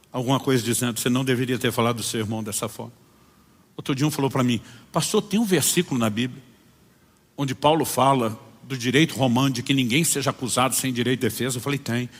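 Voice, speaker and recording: A man's voice: mid-range voice, fast talker. A man preaching as a pastor, telling stories and voicing the people in them. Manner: animated storytelling, voicing people in his stories. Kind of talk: sermon with acted-out anecdotes. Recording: long hall reverb.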